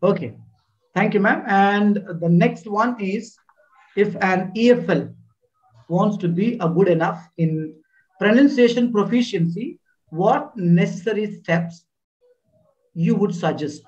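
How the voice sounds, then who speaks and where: A man's voice: high-pitched, a little slow, darkish tone, muffled recording. A male host on a video call asking questions politely, with frequent short acknowledgements and English as a second language. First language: Indian language.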